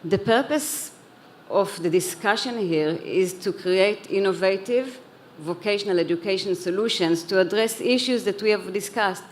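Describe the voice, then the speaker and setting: A woman's voice: medium pitch, moderate pace, slight background noise. A woman who grew up in Israel, speaking earnestly on a conference panel, with a few restarts and repeated words. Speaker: panelist, head of an education organization. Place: conference hall.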